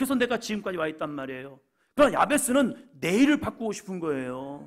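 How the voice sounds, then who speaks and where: A man's high-pitched voice swings very widely in pitch in a very clean recording with a silent background. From South Korea, Chungcheong (Nonsan). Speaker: pastor. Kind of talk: sermon. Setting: church.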